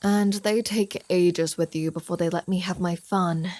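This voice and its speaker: Woman playing a slow-talking, flirty female vampire. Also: on the low side, steady tone, darkish tone, lightly acted. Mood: sardonic, flirty. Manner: playful, sardonic, mock-exasperated. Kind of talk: ASMR roleplay audio drama.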